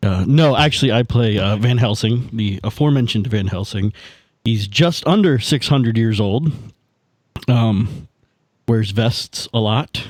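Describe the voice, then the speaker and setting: A man chatting casually as a player on a game podcast, joking in a halting way. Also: on the low side, dry recording, clean studio sound. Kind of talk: casual chat.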